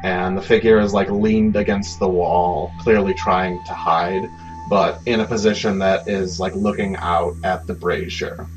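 A man working as game master, narrating a tabletop game in a halting, conversational way with many asides. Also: low-pitched, fairly even intonation. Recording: dull, muffled sound under prominent music.

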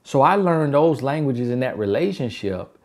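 A man's voice: medium pitch, lively intonation, normal speed. Earnest preachy Southern man. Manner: preachy, repetitive, emphatic. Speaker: relationship advice speaker. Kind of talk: motivational talk.

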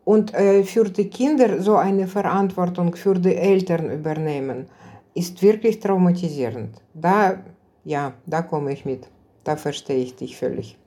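Middle-aged woman, mellow warm tone, measured, hesitant. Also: lowish voice. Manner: thoughtful, measured, frequent hesitations. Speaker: guest, social worker. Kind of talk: casual conversation.

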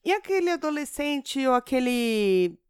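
A mother in casual comedic chat, animated and jokingly dramatic. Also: sits high, unhurried, clean tone, dry recording, clean studio sound. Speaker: mother, podcast co-host.

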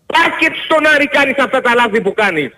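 A very high-pitched man with a bright, cutting tone argues loudly as a radio caller. He is insistent and keeps talking over the host, pressing each point again and again. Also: animated. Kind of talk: heated call-in argument.

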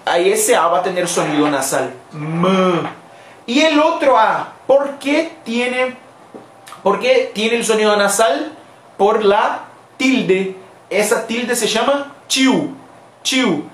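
Patient teacher, echoey room, woman. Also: fairly high pitch. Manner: patient, explains slowly, repeats model words. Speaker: Portuguese teacher for Spanish speakers. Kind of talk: live online language lesson.

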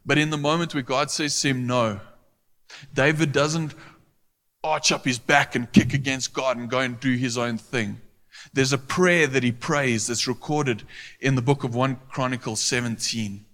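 Male pastor, mid-pitched, earnest sermon delivery that swells emphatically, church hall with long reverb. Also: steady tone, normal speed, a bit bright.

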